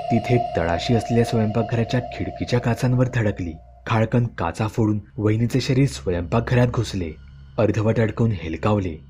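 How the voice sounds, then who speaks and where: Grave, low-voiced male horror narrator. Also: mellow, slight background noise. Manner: grave, dramatic. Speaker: storyteller.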